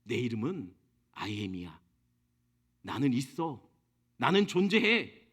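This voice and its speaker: A man voicing God as a calm, patient divine speaker in a sermon retelling, talking slowly and softly. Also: medium pitch, pitched below the performer's own voice, heavily acted. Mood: gently assuring. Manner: slow, soft and reassuring.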